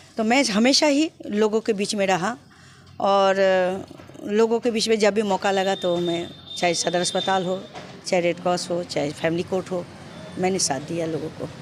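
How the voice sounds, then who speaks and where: Noticeable background noise sits behind this recording. A woman speaks at medium pitch with ordinary pitch variation. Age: 60s. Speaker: social worker and mayoral candidate. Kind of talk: street interview.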